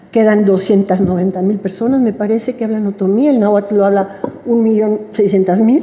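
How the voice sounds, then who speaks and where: A woman at a medium pitch talks at a moderate pace over noticeable background noise. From Mexico. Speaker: historian and author. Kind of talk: book presentation talk. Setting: book fair panel.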